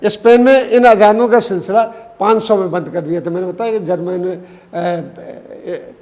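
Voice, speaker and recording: A man's voice: high voice, fairly even intonation, normal speed, darkish tone, in a large hall. A man giving unscripted spoken news commentary, restarting and correcting himself as he talks.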